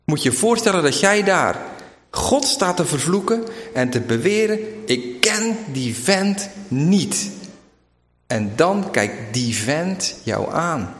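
Speaking at a measured pace, this man has a rather high voice with big swings in pitch. He comes from Zeeland, Netherlands, carries a light Zeeuws-Vlaams accent, and delivers a sermon in which he retells the story with emphasis and performs the quoted lines, all captured in a reverberant, echoey hall.

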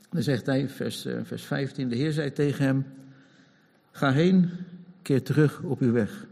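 A man's voice: mid-range voice, vocal fry, warm tone, slightly rough, big-room sound. A man preaching a sermon in a conversational way, acting out people's complaints. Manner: conversational, chuckling, acts out quoted complaints.

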